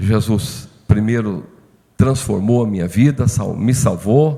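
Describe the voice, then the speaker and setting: This man has a dark, mellow tone and a medium pitch. He speaks at a fairly slow pace with ordinary pitch variation. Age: 60s. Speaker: pastor. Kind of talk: sermon.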